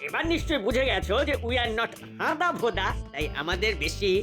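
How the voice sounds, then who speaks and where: A woman's voice: on the high side, very animated, fairly quick, over music. A woman voicing a smug, greedy, teasing bully in a comedy cartoon, mock-polite and sneering. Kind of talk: animated comedy cartoon acting.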